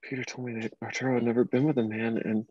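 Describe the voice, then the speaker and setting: A man's voice: mid-range voice, level tone, fast, warm tone, close to an everyday voice. A man acting a grieving, well-to-do gay man in his late thirties at a table reading, speaking hesitantly and repeating words. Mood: realising, hurt. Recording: dull, roomy sound.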